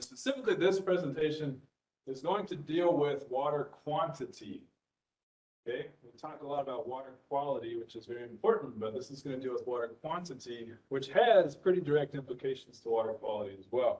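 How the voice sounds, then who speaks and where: Somewhat breathy and fairly high-pitched, a man speaks with lively intonation and big swings in loudness. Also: fairly quick pace. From Kentucky. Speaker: university professor and water engineer. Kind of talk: conference presentation. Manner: casual, conversational.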